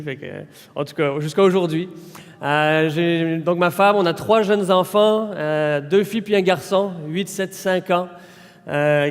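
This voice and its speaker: A man in his thirties from France with a French accent, a pastor giving an informal, conversational sermon introduction with frequent pauses. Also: high-pitched. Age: 30s. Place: church hall. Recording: long reverb of a church hall.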